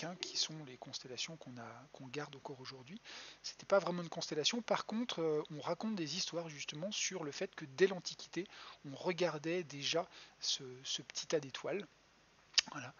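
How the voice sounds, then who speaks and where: Man, fairly high voice, husky, planetarium educator, chatty with fillers, muffled home stream. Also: a bit bright. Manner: chatty, hesitant, many fillers and restarts. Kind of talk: live-streamed astronomy lesson. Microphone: home computer mic.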